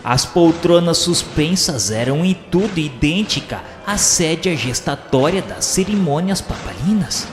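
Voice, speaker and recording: A man's voice: fairly high pitch, expressive, a little slow, few pauses. A man playing a solemn spirit narrator who recounts what he witnessed, in formal, literary radio drama style. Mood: grave recounting. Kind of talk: scripted first-person radio drama narration. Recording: long echoing reverb, music bed underneath.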